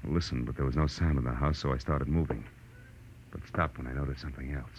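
A noisy, muffled old radio recording of a hard-boiled private eye. His voice is extremely low, and he delivers his lines in a wry, terse, world-weary 1940s noir manner. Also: steady tone, quick pace. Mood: wry, tense narration. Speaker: narrator and lead detective.

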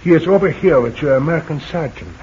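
A man's voice: on the high side, animated, fast, darkish tone, natural voice. A man playing a formal young resistance leader. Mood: earnest. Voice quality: formal, courteous. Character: polite Dutch underground leader, young man. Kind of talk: 1940s radio acting. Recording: dull old radio recording, faint hiss.

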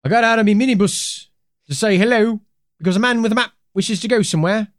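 Man reading a friendly taxi driver, brief bad Irish accent that drifts British, raised pitch. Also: fast, no echo, clean studio sound, close to an everyday voice. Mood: cheery. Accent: attempted Irish, slipping into British.

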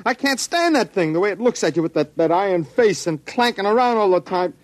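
An actor playing a nervous small-time crook in an old radio drama, stammering and jittery. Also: male voice, sits high, lively intonation, fairly quick, no room sound. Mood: anxious. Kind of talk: 1940s radio acting.

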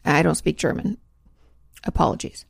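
A woman's voice: sits low, moderate pace, gravelly, no echo, studio quality. A woman therapist hosting her own advice podcast, chatting casually and correcting herself as she goes. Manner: chatty, self-correcting, laughs at own slips. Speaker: podcast host, marriage and family therapist. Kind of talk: casual chat answering listener questions.

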